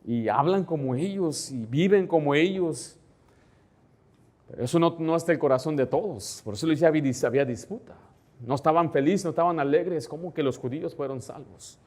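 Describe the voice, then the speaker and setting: A male pastor gives a conversational sermon, asking the congregation to follow along in the text and growing louder to stress a point. His voice is a little high and his pace brisk.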